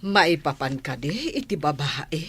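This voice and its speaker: Gentle, concerned, expressive mother. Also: low voice, a little slow, slight background noise. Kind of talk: Ilocano radio drama acting.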